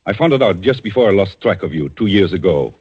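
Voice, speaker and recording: Heard on a dull, aged broadcast recording, this 1940s radio drama features a man with a deep, husky voice as a calm avenger bent on vengeance. His delivery is measured and theatrical, and the mood is accusing.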